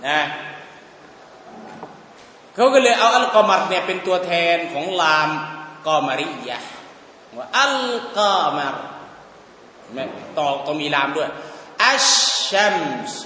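A man teaching a class, breaking words down syllable by syllable and checking understanding with quick rhetorical questions. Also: a little high, expressive, pushed and bright. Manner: spells out sounds syllable by syllable. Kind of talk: classroom lecture. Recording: echoey hall with long reverb, faint background noise.

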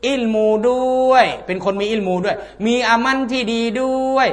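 A man's voice: very high-pitched, moderate pace. A man giving a conversational religious sermon to a congregation, folksy, often asking the listeners rhetorical questions. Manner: chants scripture passages. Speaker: Islamic religious teacher.

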